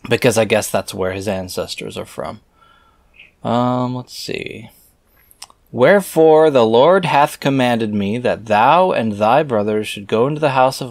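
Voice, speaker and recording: A man reading aloud casually, breaking off into halting, musing, skeptical and irreverent commentary. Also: medium pitch, dry recording, studio quality.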